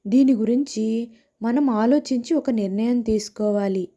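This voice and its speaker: A woman's voice: fairly high pitch, measured pace, warm tone, highs cut off, pitched below the performer's own voice. A woman voicing a grown man, a worried husband who earnestly agrees with his friend, in a cartoon story.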